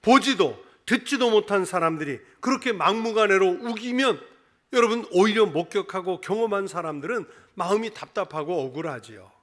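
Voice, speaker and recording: High-voiced Korean pastor preaching. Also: male voice, animated, normal speed, a bit bright. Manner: earnest preaching, repeated direct address to the congregation. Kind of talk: sermon.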